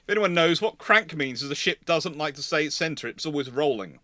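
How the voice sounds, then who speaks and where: Bright-voiced man, casual expert commentary. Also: a little high, animated, brisk, no echo, studio quality. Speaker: host of a history livestream.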